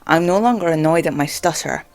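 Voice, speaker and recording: This mid-range, gravelly voice talks briskly to camera with no echo. It belongs to a vlogger who stammers, hesitates, and leans heavily on fillers, especially "like," in a loose, rambling chat.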